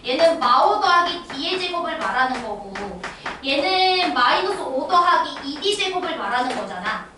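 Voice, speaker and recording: A woman math teacher lecturing exam students, often checking if they follow along. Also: high-pitched. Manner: checks understanding with constant tag questions. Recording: echoey room, distant mic, faint noise.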